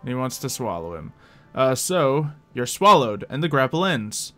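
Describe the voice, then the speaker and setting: Man, game master, casual tabletop narration, animated intonation, light music behind. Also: mid-range voice, normal speed.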